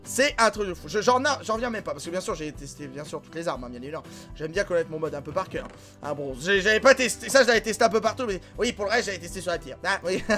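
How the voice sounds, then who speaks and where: A man hosting a gaming channel, commenting casually and excitably on gameplay, filling his talk with voilà and hein. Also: sits high, quick pace. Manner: excitable, filler-heavy, frequent voilà and hein. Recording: game music clearly behind voice. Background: background music and in-game explosions.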